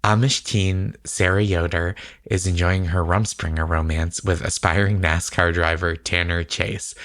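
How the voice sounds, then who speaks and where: Very low, creaky-voiced man chatting. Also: a bit bright, no echo, studio quality. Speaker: podcast co-host. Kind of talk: relaxed casual chat.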